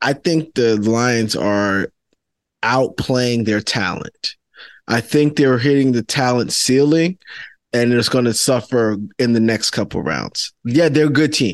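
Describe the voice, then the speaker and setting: A man with a New York accent talks at a fairly slow pace with ordinary pitch variation and very even loudness, in a dry, close sound with no echo. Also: medium pitch for a man. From New York City (the Bronx). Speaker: sports podcast co-host. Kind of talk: casual chat.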